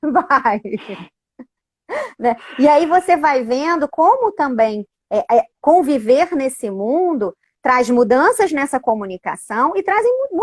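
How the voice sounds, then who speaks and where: High-voiced woman chatting animatedly. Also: no echo, studio quality. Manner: animated, frequent tag questions. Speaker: educator and parent. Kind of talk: casual conversational talk.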